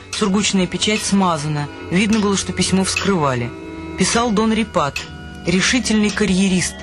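High-voiced male narrator over music. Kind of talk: literary reading in a radio play.

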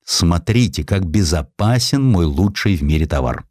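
A man's voice: sits low, expressive, normal speed, darkish tone, dry recording, studio quality. A man voicing a proud, misanthropic inventor in an audiobook, speaking in an emphatic, sardonic, declamatory manner. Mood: insistent, proud. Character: proud, misanthropic male inventor, bitter and cynical.

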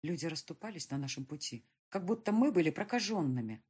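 A woman's voice: lowish voice, lively intonation, a little fast, a little mellow, breathy edge. A woman narrating an audiobook in the first person, reading dramatically and expressively. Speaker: audiobook reader.

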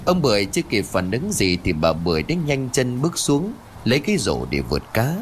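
A man narrating a ghost story in an animated, dramatic storytelling manner. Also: medium pitch, fairly quick, a little hiss or hum.

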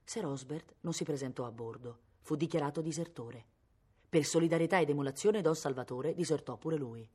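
A woman's voice: sits low, fairly quick, a little mellow, breathy edge. A woman from Italy reading a novel aloud expressively, her voice rising with the drama. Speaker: reader.

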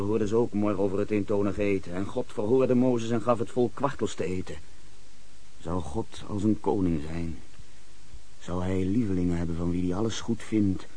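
An actor playing a troubled biblical king in a radio play, husky and emotional, given to justifying himself. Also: fairly low pitch, mellow, natural voice. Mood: brooding. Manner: emotional, theatrical. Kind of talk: Dutch radio play acting.

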